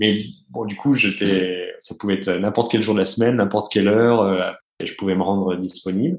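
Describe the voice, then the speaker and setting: A man at a fairly low pitch, fairly quick pace and fairly even intonation. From Burgundy, France. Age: 40s. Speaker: TV journalist. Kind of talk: interview. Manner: halting.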